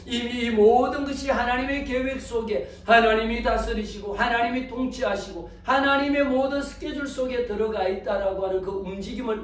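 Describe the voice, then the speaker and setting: A male pastor delivering a dramatic sermon, telling the story with cries and wails in the characters' voices. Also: high voice. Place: church sanctuary. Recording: echoey church hall, far from the mic, faint noise.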